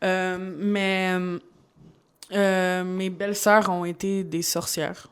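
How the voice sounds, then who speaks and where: A woman's voice: on the low side, little pitch movement, takes it slowly, clear, resonant tone. A woman guest on a live podcast, telling her story candidly and laughing often. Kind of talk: casual live podcast chat. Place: studio. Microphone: podcast microphone.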